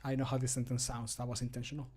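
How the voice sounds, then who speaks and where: A streamer and amateur voice actor in his thirties chats casually on a livestream from a small room at home, informal and self-deprecating. His mid-range, slightly mellow voice races along with a completely flat delivery.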